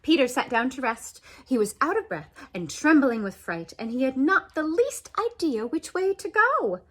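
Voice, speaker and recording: A woman reading a children's story aloud as an animated narration, expressive, with dramatic swoops and pauses. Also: high voice. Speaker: storybook reader.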